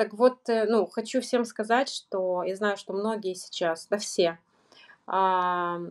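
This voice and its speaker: The setting behind her is quiet. This woman talks at a very slow pace. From Moldova. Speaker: emotional intelligence trainer. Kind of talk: testimony. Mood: calm, reflective. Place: home room.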